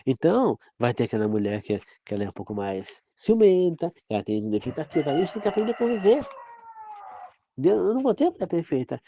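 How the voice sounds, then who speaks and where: A man's voice: on the high side, big pitch swings, fast talker, noisy background. A man from Brazil giving an informal, rambling sermon-style talk as a preacher, often checking "entendeu?" with his listeners. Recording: dull, dry, lo-fi sound.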